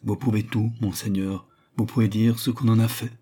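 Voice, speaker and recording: A desperate male court jeweler pleads and insists, as a male narrator puts him on. The voice is low and husky, with a dark, mellow color. He presses his case in a storybook reading. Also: flat delivery, moderate pace. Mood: pleading.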